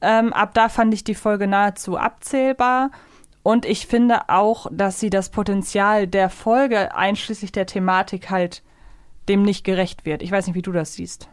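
A woman's voice: medium pitch, fairly even intonation, a little slow, smooth, no room sound, clean studio sound. A woman co-hosting a podcast in casual review chat, analytical and thinking aloud as she goes. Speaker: podcast co-host. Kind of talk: casual review chat about audio dramas.

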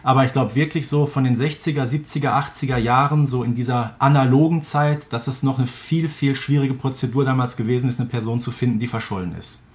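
Talkative guy cohosting a podcast, mid pitch, explains stuff with lots of emphasis. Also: steady tone, fairly quick. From Germany. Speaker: podcast co-host. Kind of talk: conversational interview with fan commentary.

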